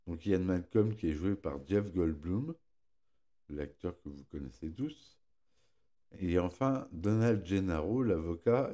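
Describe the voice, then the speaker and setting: A man's voice: deep voice, mellow. A man presenting a scripted film review, reading aloud with slightly impeded articulation and occasional stumbles that he corrects. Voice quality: slightly impeded articulation from a fresh tongue piercing. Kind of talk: scripted narration read aloud, film chronicle.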